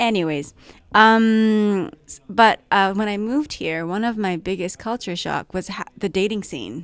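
Over a quiet background, a woman with a Japanese accent speaks fairly slowly at a medium pitch, with ordinary pitch variation. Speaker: filmmaker and actor. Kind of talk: interview.

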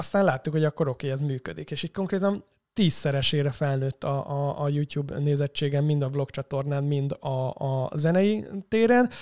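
With a fairly high pitch and ordinary pitch variation, a man talks against a quiet background. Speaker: pop musician; podcast guest. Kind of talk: casual interview. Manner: frequent distinctive laughter. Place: studio. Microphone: studio mic.

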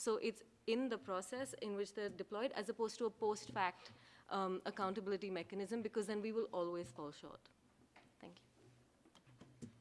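Loudness swings widely while pitch varies in an ordinary way. The pace is moderate. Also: woman. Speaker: AI policy researcher. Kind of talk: panel discussion. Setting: stage with audience. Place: meeting room. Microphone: podium.

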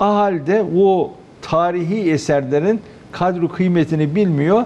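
A man talks with ordinary pitch variation. His voice is high in pitch. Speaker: guest. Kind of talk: interview answer. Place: studio. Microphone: lapel.

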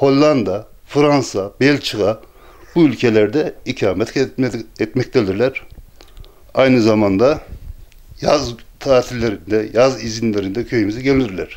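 A man at a fairly slow pace with long, frequent pauses. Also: ordinary pitch variation. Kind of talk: interview answer. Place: home room. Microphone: handheld.

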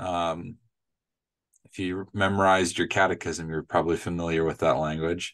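Over a quiet background, a man speaks in a very deep, low voice with a Midwestern American accent. His intonation is monotone and flat, at a moderate pace. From US Midwest (Michigan). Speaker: pastor. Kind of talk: casual chat. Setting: video call. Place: office. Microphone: video call.

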